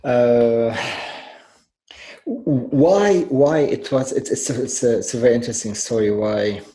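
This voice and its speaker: A man, a coach telling his story as a guest in a casual interview, halting and trailing off quietly. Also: medium pitch. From Lebanon. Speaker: guest, life and business coach.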